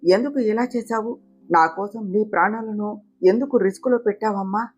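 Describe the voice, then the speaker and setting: A woman's voice: mid-range voice, normal speed, slightly rough, natural voice. A woman voicing a young man, a desperate and tearful son, in a storybook tale. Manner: tearful, urgent. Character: young man, grieving angry son and husband. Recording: slightly dull recording, soft guitar music.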